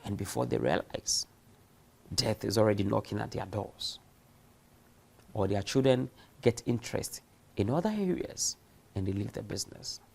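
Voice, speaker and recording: A man's voice: lowish voice, moderate pace, vocal fry, pauses often, darkish tone. A man giving a recorded university lecture, speaking emphatically and posing rhetorical questions. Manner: emphatic, uses rhetorical questions and acted-out examples. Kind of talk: recorded distance-learning lecture.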